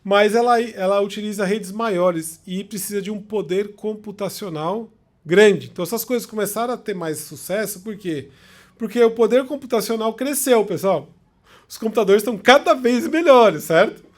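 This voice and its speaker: A man's voice: sits high, moderate pace. A man with a Brazilian Portuguese accent giving an informal explanatory talk as a lecturer, conversational and often checking in with his listeners. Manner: conversational, checks in with short tag questions.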